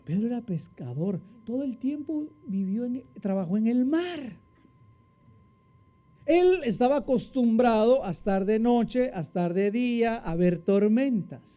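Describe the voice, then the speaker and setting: Dramatic preacher, lo-fi. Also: male voice, lively intonation, a little slow. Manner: dramatic, acts out quotes with big pitch swings; asks the congregation questions and answers them. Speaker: pastor. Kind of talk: sermon. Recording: dull lo-fi sound.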